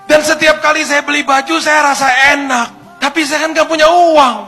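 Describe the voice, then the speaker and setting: A man voicing an angry, tearful young woman in debt, shrill and indignant. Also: fairly even intonation, normal speed, bright, forceful tone, faint music behind, full character voice. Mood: tearful complaint.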